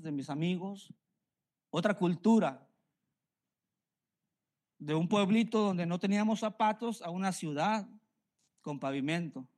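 A Mexican pastor in middle age preaches earnestly, echoing his own phrases for emphasis in a Mexican Spanish accent. The voice sits high and has a darkish tone.

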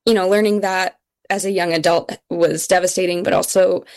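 A woman's voice: lowish voice, fairly even intonation, normal speed, a little mellow. A young woman from Minnesota, speaking earnestly as an interview guest, with frequent ums and restarts. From Minnesota, United States. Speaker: guest, communications director of an advocacy group. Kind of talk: interview conversation.

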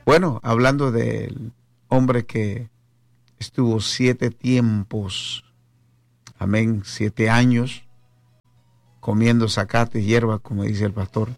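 Latin american guy preaching on radio, medium pitch, slow, lots of amens, music under it. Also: fairly even intonation, vocal fry, no room sound. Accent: Latin American Spanish. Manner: devout, punctuates talk with hallelujahs and amens. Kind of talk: devotional radio preaching and chat with callers. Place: radio studio.

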